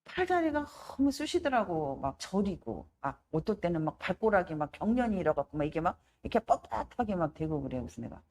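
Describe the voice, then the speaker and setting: Middle-aged woman preaching her testimony, storytelling style, pitch swoops all over, does everyone's voices. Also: a little fast, hardly any pauses, a little hiss or hum. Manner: animated storytelling, acts out relatives' voices. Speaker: evangelist giving testimony. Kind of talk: testimony sermon.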